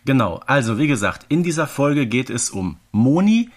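Guy cohosting a podcast, medium pitch, explains stuff step by step, casual. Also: very animated, moderate pace. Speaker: podcast co-host.

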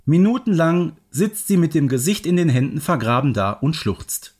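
A man's voice: fairly high pitch, big pitch swings, normal speed, darkish tone. A man reading a scripted children's story as narrator.

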